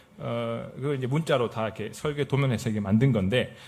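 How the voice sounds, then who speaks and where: Audible room echo colors this man's voice. He talks at a moderate pace. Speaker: pastor. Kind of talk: sermon. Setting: church. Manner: conversational, with fillers.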